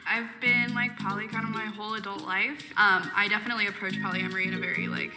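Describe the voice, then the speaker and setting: Quick-talking friendly woman. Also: mid-range voice, fairly even intonation. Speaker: speed dating participant. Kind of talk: casual conversation. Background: music.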